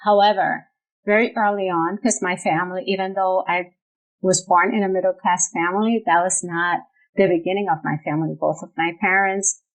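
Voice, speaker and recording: A woman's voice: fairly low pitch, fairly even intonation, normal speed, poor audio. A middle-aged woman with a Puerto Rican accent, speaking as an interview guest and telling a personal story conversationally. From Puerto Rico. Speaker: podcast guest, nonprofit chief executive.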